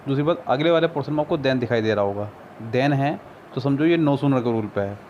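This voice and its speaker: A man with an Indian accent, a Hindi speaker, tutoring for an English exam over a screen recording, patiently explaining and reading English sentences slowly. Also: mid-range voice, lively intonation, a little mellow, muffled recording, slight background noise. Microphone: screen recorder mic.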